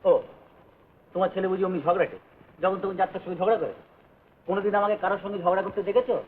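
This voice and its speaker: High-voiced young guy played by an actor, sulky, teasing, grumbly, old tinny film sound w/ hiss. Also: fast, lightly acted. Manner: grumbling mutters, playful retorts. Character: young man Jayanta, witty, sulky, teasing son. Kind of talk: 1950s film acting.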